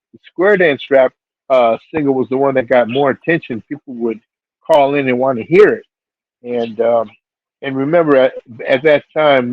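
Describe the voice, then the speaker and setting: A middle-aged Seattle man, a hip-hop DJ and label figure, tells his story in a casual storytelling interview. His mid-range voice is laid-back and loose with many filler words, jumping up for quoted reactions, and it arrives through a thin, phone-like line with a dry, close sound.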